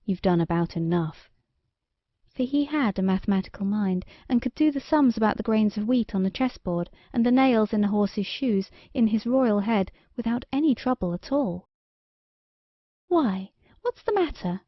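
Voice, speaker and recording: A woman's voice: a little high, normal speed, hardly any pauses, dry recording, dull audio. A woman reading a scripted children's story as an audiobook narrator.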